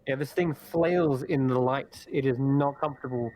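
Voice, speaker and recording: A man narrating a tabletop game as game master, descriptive and unhurried. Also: medium pitch, darkish tone.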